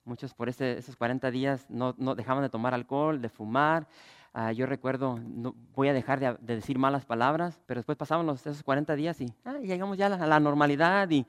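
Man, pastor, lively sermon, rhetorical questions, dry close sound. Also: mid-range voice, a little fast, clean tone, dry recording. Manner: animated preaching with rhetorical questions to the congregation.

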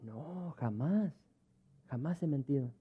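A man voicing an older woman who flatly and emphatically denies ever having sinned. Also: sits low, slow, breathy edge, full character voice. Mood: indignant. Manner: emphatic denials. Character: older woman, indignant, insists she never sinned. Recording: tinny phone-like sound.

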